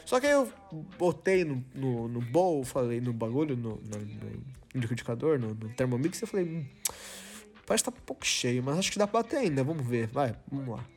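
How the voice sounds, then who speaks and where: A man in his twenties, from Brazil, hosting a podcast and telling a story in a slangy, animated way, acting out dialogue with lots of restarts. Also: mid-range voice, fairly quick. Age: 20s. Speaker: podcast host. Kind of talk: casual storytelling monologue.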